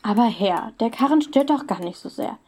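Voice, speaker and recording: A woman's voice: on the high side, lively intonation, normal speed, a little mellow. A woman playing an earnest, outspoken medieval peasant girl in an audio drama, polite but stubborn. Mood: protesting. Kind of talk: German audio drama acting.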